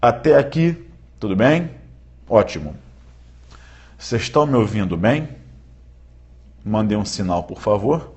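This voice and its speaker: Animated man teaching law live. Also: on the low side, muffled recording. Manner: animated, checks in often with viewers; repeats key points slowly for emphasis. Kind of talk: live-streamed law lecture.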